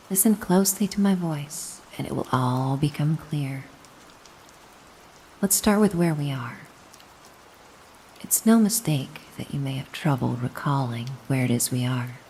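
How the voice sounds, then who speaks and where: A mysterious, doting caretaker acted by a woman speaks in a low, hushed-lullaby register for a hypnosis audio drama. She takes her time, gently coaxing and reassuring in an ASMR-like way. A faint wash of rain sits behind the voice. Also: slight background noise, rough recording. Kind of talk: slow soothing hypnosis roleplay, ASMR-like.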